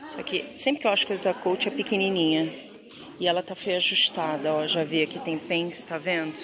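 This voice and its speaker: A woman's voice: lowish voice, fairly quick, crowd noise. A woman in her thirties with a Brazilian Portuguese accent, chatting enthusiastically to viewers in a casual haul vlog, recorded on a close camera mic in a bedroom. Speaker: thrift vlogger. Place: bedroom with wardrobe, indoors.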